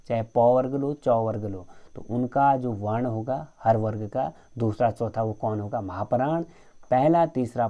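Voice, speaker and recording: Mellow-voiced man teaching a lecture. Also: medium pitch, dull audio. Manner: explains step by step, often addresses viewers as friends. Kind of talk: exam-prep lecture.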